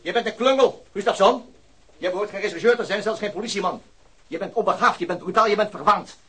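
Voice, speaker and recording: A man's voice: high-pitched, fast, bright, forceful tone, slightly rough, exaggerated voice. An actor playing a stern, exacting male police detective in a radio play, clipped and sarcastic. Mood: angry, cutting. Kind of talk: radio drama acting.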